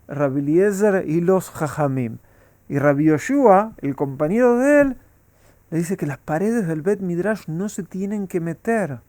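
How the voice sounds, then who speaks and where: A man's voice: sits high, warm tone, dry recording. A man, a rabbi, teaching a Talmud class and asking his students rhetorical questions.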